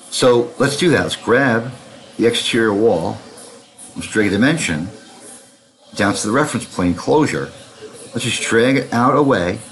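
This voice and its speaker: A middle-aged man with a New York accent teaching a software tutorial, wandering into chatty asides and repeating himself. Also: mid-range voice, poor audio. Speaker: software instructor. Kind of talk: screen-recorded software tutorial.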